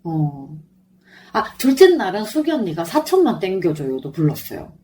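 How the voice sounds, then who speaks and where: A woman's voice: on the low side, normal speed, slight background noise. A woman podcaster chatting solo in an effusive, fannish way about a show she attended, her throat sore and strained. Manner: effusive, animated fan talk. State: sore, strained throat after singing along. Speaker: podcast host. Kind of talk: chatty solo concert review.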